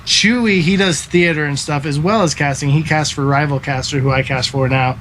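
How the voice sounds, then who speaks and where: A man's voice: fairly high pitch, a little fast, a bit bright, slight background noise, rough recording. A man in his thirties, a guest esports caster, talking earnestly in a casual podcast interview, with lots of fillers. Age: 30s. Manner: earnest, rambling with many fillers.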